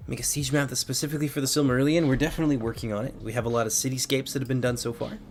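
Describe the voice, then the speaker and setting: A man with a stuffy, congested voice giving relaxed live commentary on a strategy game while answering chat. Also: mid-range voice, very fast, faint music behind. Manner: relaxed, thinking aloud with fillers. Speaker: game streamer and mod developer. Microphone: headphones with mic at a computer.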